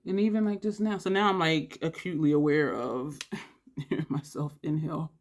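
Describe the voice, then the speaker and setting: Vlogger, mid-pitch with a gravelly edge, congested-sounding, chatty makeup tutorial delivery with audible breaths. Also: steady tone, moderate pace. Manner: rambling, thinks aloud while working; audible breathing between phrases. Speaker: beauty vlogger. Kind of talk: casual makeup tutorial chat.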